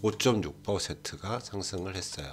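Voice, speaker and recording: At a moderate pace, a man is speaking. The recording is very clean, with a silent background. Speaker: stock market commentator. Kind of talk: market commentary. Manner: casual, hesitant fillers.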